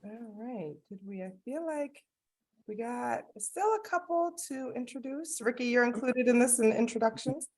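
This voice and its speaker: A woman facilitating a training session over a video call, calling on participants quickly to keep the session moving. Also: fairly high pitch, a little mellow. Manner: brisk, keeps things moving. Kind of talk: casual group facilitation.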